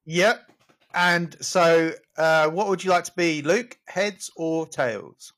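A man's voice: on the high side, takes it slowly, fairly bright tone. A man, co-hosting a podcast and running a quiz in an upbeat, chatty way that breaks easily into laughter. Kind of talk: casual chat.

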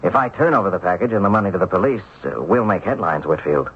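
An actor playing a wronged, determined ex-banker in a radio mystery drama, speaking earnestly and persuasively. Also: male voice, low voice, animated, quick pace. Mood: firm, insistent. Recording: muffled, noisy old radio broadcast.

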